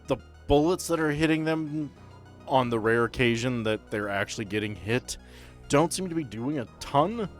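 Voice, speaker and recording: A man's voice: medium pitch, expressive, normal speed. A man running a tabletop game as game master, narrating and explaining the rules in a conversational way. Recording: music behind the voice. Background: background music.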